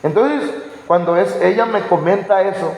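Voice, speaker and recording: A male pastor gives a testimony sermon, telling his story with lively acted-out dialogue. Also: high voice, moderate pace. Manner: animated storytelling, acts out quoted dialogue. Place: church hall. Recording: echoey church hall with long reverb.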